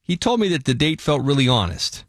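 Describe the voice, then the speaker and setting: Male radio host, lively swooping delivery, dry studio sound, chatty, pushes with questions. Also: medium pitch, fairly quick, dry recording. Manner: chatty, animated, leading questions. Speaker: radio morning show host. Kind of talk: radio call-in segment. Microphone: studio mic.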